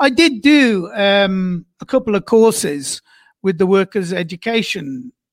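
Recorded very cleanly against a silent background, a man with a Birmingham accent speaks at a fairly slow pace with ordinary pitch variation, the sound dry and close with no echo. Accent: Birmingham (Brummie) English. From Birmingham, England. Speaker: author. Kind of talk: interview.

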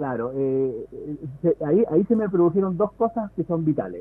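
In a Chilean accent, a man talks at a fairly slow pace with very wide pitch swings. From Chile, Santiago. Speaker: forestry researcher. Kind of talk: interview. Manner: halting, many repetitions.

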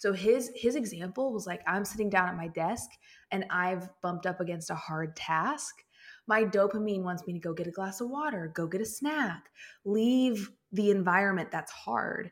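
This very clean recording has a silent background and features a woman with an ordinary speaking voice. She speaks at a moderate pace in a medium pitch with ordinary pitch variation. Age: 30s. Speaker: lifestyle podcast co-host. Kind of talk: casual chat.

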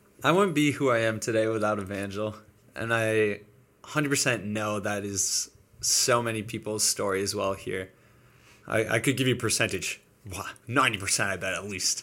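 The tone is bright and sharp, with an American accent and ordinary pitch variation at a moderate pace. It's a very clean recording with a silent background. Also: man, fairly low pitch for a man. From Detroit, Michigan. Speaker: college student. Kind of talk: interview.

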